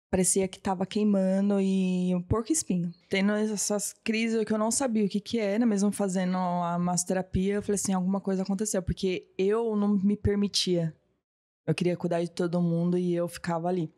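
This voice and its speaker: A woman's voice: fairly low pitch, warm tone. A woman in her thirties, a massage therapist, telling her story in a casual interview and acting out what people said to her. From Brazil. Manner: storytelling, often acting out what she and others said.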